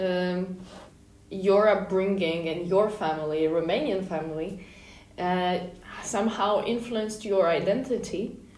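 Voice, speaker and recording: Fairly even intonation at a very slow pace, with audible echo from the room. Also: woman. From Russia. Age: 20s. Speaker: podcast host. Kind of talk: casual chat.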